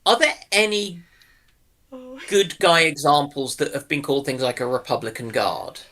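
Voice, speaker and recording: A man's voice: a little high, moderate pace, pushed and bright. A man taking part as a panelist in an informal discussion, offering examples and opinions.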